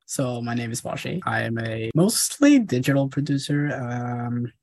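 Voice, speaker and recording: A man from Somalia, a guest music producer, talking casually and softly in an interview, with laughs between phrases. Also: mid-range voice, animated, measured pace, no echo, clean studio sound.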